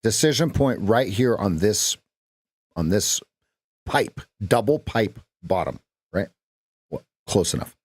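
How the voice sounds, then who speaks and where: A man's voice: on the low side, lively intonation, slow, long pauses, husky, dry recording. A man hosting a live day-trading stream, chatting with viewers and repeating phrases as he watches the market.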